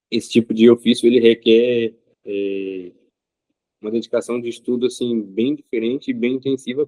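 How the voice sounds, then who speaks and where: A man, an interview guest speaking in a measured way with frequent pauses and filler sounds. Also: medium pitch, dark tone, no room sound. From Rio de Janeiro state, Brazil. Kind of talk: casual interview answers.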